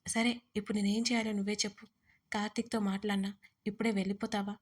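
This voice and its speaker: A woman's voice: mid-range voice, quick pace, slightly rough, close to an everyday voice. Woman voicing a terse brooding husband. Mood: coaxing. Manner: blunt, steady, unmoved.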